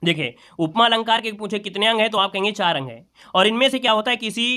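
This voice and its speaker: High bright-voiced man solving exam questions. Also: animated, fast talker. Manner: repeats each question and answer, asks rhetorical questions; addresses listeners as friends. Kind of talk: exam-prep lesson.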